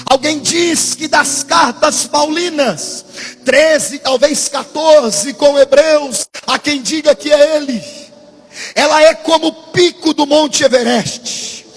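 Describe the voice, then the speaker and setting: A man with a Brazilian Portuguese accent preaching a Pentecostal sermon in a large church, shouting in a sing-song cadence and calling for responses from the crowd. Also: very high voice, slow pace, long reverb tail, faint music behind.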